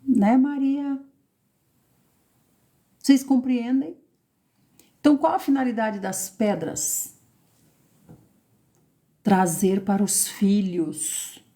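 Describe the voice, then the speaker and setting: A woman reading and teaching the Bible live, expressive and addressing listeners by name. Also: fairly high pitch.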